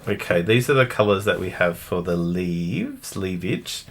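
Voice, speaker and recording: A man co-hosting a craft livestream, thinking aloud softly as he demonstrates coloring with markers. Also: low voice, expressive, measured pace. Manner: thinks aloud while coloring, soft and hesitant, breaks into bits of song.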